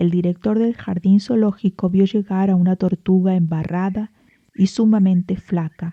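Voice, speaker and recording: Dark, mellow tone with an Argentine accent, fairly even intonation at a moderate pace, and a dry, close sound with no echo. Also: woman. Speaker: storyteller. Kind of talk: reading aloud.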